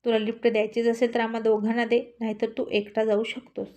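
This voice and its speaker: A spirited young college girl, as a woman storyteller gives her voice, playful yet firm and loyal. Her voice is high with a mellow, warm tone. It sounds like a spoken storybook. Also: level tone, fast talker, close to an everyday voice.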